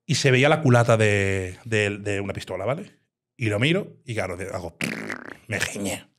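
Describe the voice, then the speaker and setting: A man with an animated storytelling manner, recounting his time as a nightclub bouncer in a casual interview. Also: fairly low pitch, fairly quick. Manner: animated storyteller, acts out quoted dialogue.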